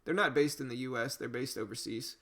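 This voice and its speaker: A man from Louisiana with a slight Cajun accent hosts a day-trading livestream, casually chatting with viewers and reading their comments. His medium-pitched voice moves fairly quickly, and he's relaxed and conversational, saying "you know" a lot.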